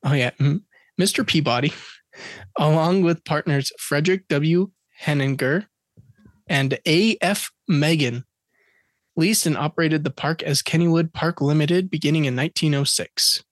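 Chatty higher-voiced man hosting a podcast. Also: normal speed, dry recording, clean studio sound. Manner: chatty, joking, reads facts and dates aloud. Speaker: podcast co-host. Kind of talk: casual chat.

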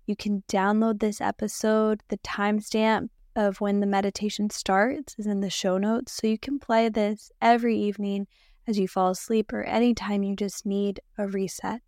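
Hoarse woman guiding a soft meditation. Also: mid-range voice, flat delivery, dry recording, clean studio sound. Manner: soft, slow, gentle instructions with pauses. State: hoarse, losing her voice. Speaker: podcast host and meditation guide. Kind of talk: guided yoga nidra meditation.

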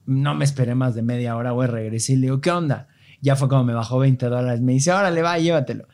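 Full of slang and energy, a Mexican-accented man swaps travel tales in a relaxed podcast conversation. He speaks quickly at a medium pitch.

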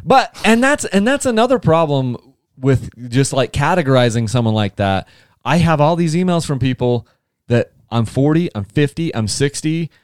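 A man's voice: fairly high pitch, lively intonation, moderate pace, clean tone, no echo, clean studio sound. A man hosting a casual interview, who rambles and restarts his questions often. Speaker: podcast host.

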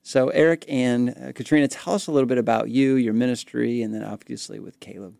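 Man with a gravelly podcast voice. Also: medium pitch, fairly quick, dark tone, no room sound, studio quality. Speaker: podcast co-host. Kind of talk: podcast interview.

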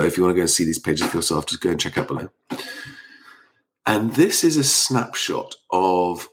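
Male streamer, lowish voice, slightly congested, informal commentary kept hushed for a sleeping household at night. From Sussex, England. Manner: speaking quietly at night so as not to wake sleeping children. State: slight cold. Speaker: live stream host. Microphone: close microphone.

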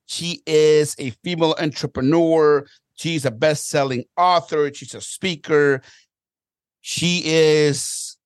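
A man hosting an interview show, energetic and upbeat, often repeating his first words as he starts a question. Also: a little high, no echo, studio quality. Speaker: podcast host.

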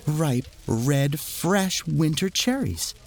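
A man's voice: on the high side, expressive, very slow, gravelly, voice pushed up, exaggerated voice. A man voicing a kind, earnest and humble poor noblewoman in a storybook tale.

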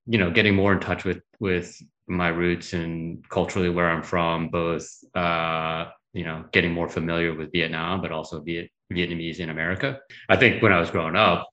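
A man in his thirties from Massachusetts, a guest answering thoughtfully with many pauses and fillers. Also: deep voice, sharp tone, highs cut off. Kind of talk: conversational interview.

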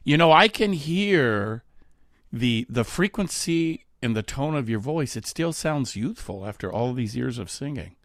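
A man's voice: mid-range voice, expressive, measured pace, fairly bright tone, no echo, studio quality. A man hosting a podcast, asking questions and encouraging his guest with short replies. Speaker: podcast host. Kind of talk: interviewing.

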